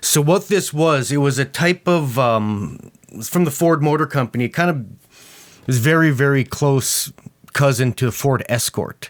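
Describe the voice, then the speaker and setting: At a moderate pace, a man talks in a fairly high pitch with ordinary pitch variation and very even loudness. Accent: American. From US upper Midwest, North Dakota. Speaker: bass player and music teacher. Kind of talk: casual interview chat.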